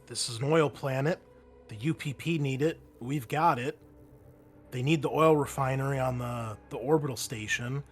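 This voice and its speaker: A man's voice: mid-range voice, normal speed, natural voice. A man playing a blunt, foul-mouthed soldier who explains things emphatically. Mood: blunt, insistent. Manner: emphatic, profane.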